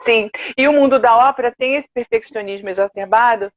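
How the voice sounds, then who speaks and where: Brief: older Brazilian woman, singer guest, bright-voiced raconteur, dry dull video-call sound. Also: a little high, fairly quick, no room sound. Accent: Brazilian Portuguese. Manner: lively storyteller, animated quoted asides. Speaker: guest, opera and musical theatre singer. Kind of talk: casual interview chat.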